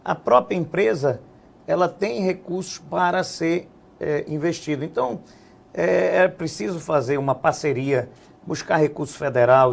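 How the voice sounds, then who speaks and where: A man, a businessman and former politician, explaining policy in a measured political interview, often adding "né?". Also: on the high side, vocal fry, husky. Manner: measured, explanatory, frequent "né?" tags. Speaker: guest, health businessman and former legislative assembly president.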